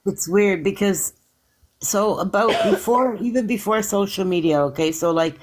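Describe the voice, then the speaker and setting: A man's voice: high-pitched, moderate pace, low-quality recording. A man in casual chat, rambling through explanations with frequent restarts and hedges.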